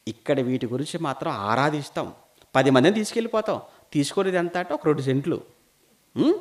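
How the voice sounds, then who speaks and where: A man preaching a sermon, firing rhetorical questions at his listeners and swinging from loud emphasis to quiet, low lines. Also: lively intonation, brisk. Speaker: pastor.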